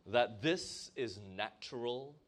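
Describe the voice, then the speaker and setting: Speaking slowly at a medium pitch, this Malaysian-accented man preaches a sermon. He poses questions to the congregation and leans on important words for emphasis.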